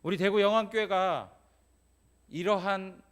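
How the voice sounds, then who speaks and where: A male pastor preaching a Sunday sermon in a church. His voice sits a little high for a man. He talks to the congregation like a neighbour, tossing them quick questions as he goes. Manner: conversational preaching, frequent "예?" prompts to congregation. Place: church sanctuary.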